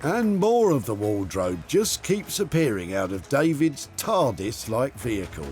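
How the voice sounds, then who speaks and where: A man's voice: medium pitch, very animated, unhurried, darkish tone, soft background music. A man narrating a TV show in a playful, teasing scripted voice-over.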